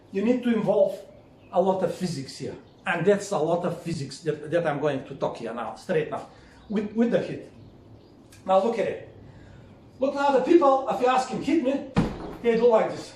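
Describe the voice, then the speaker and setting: Pitch swings very widely at a moderate pace, broken by long, frequent pauses, with audible room echo. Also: man, high pitch for a man. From Bulgaria. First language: Bulgarian. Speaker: self-defence instructor. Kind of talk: lecture. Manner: animated.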